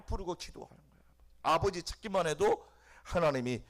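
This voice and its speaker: Korean pastor preaching with wild dynamic swings. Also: male voice, a little high, animated, brisk. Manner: swings from loud pleading cries to hushed near-whispers; colloquial, repetitive, asks the congregation questions. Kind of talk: Sunday sermon.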